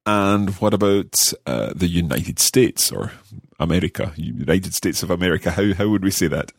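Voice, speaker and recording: A man hosting a podcast language lesson, speaking carefully and repeating phrases slowly for learners. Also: low voice, creaky, no echo, studio quality. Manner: careful, enunciating learner pronunciation. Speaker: language course host.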